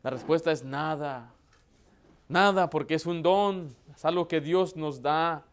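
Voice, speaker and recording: A man, a pastor, preaching a sermon with emphatic rhetorical questions that build to loud, impassioned emphasis. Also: fairly high pitch, unhurried.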